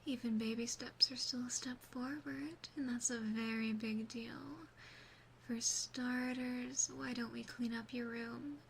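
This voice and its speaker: Woman as slow, high-voiced soft demon sister. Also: flat delivery, vocal fry, a little hiss or hum. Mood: gently reassuring. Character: obsessive, doting female demon sister, playfully menacing. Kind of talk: ASMR roleplay. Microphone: close binaural microphone.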